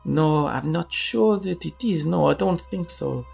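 A man voicing a calm, placating woman innkeeper in a tabletop fantasy game. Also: on the high side, measured pace, vocal fry, slightly rough, soft background music, pitched above the performer's own voice, exaggerated voice. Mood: evasive.

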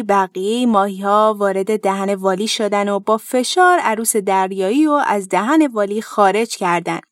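A woman hosting a children's program, gently narrating a storybook tale and speaking to parents. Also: fairly high pitch, dry recording, clean studio sound.

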